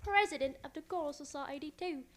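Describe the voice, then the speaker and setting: A woman's voice: high-pitched, fairly quick, a bit bright. A woman playing a nosy, boastful village postwoman in a radio play, garrulous, folksy and cheeky. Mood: proudly chatty. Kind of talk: radio theatre acting.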